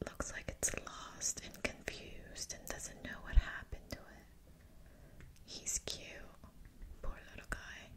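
Female ASMR whisperer, unhurried, close-miked in a small room. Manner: soft whispering, repeating words slowly. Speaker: ASMR creator. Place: small dim room indoors. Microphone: large studio mic close up.

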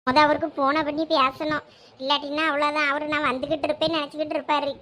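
Young woman, thoothukudi tamil accent, really high voice, talks quick, bickering village skit. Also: level tone, bright, forceful tone. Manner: bickering, domestic back-and-forth. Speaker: village comedy skit actor. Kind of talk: village comedy skit dialogue.

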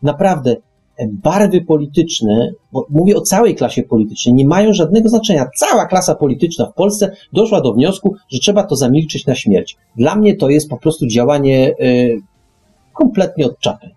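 A man's voice: fairly high pitch, animated, normal speed, warm tone, breathy edge, faint music behind. A man hosting a radio discussion, speaking emphatically and often restarting and repeating his phrases. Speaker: radio show host.

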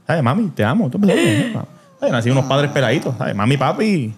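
Un hombre de unos cuarenta años con acento puertorriqueño, que conduce un podcast familiar en tono de broma. Habla muy rápido y con la voz algo alta, repitiendo "¿sabes?" sin parar. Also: male voice, on the high side, very animated, fairly quick. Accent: Puerto Rican Spanish. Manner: joking, repeats "¿sabes?" constantly. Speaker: podcast host. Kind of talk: casual family podcast chat.

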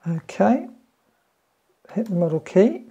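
A man's voice: high-pitched, big pitch swings, slow pace, creaky, mellow, slightly rough, dull audio. A man in his fifties giving an informal, plain-spoken step-by-step tutorial in a small room at home. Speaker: tutorial presenter. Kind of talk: informal step-by-step instructional talk.

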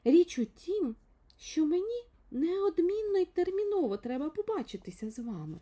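A woman voicing a polite, self-assured middle-aged lady in a fairy tale, soft but carrying and insistent. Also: very high voice, sing-song, moderate pace, pitched above the performer's own voice.

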